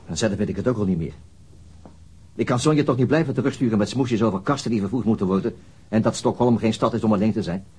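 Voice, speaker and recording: An actor playing a weary, worried police detective in a radio drama, with a husky voice and a brooding, measured manner. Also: male voice, lowish voice, warm tone.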